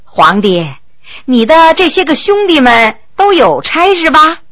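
A woman voicing a kindly, rambling elderly empress dowager in a storybook, speaking slowly with sighs. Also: high voice, sing-song, fairly bright tone, no room sound, studio quality, exaggerated voice. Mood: chatty. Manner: slow, chatty, sighing.

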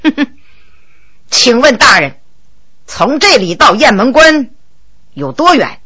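A woman voicing a bold, blunt low-ranking male county magistrate who talks in a cool, sly, deliberate way. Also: very animated, pushed and bright, breathy edge, full character voice.

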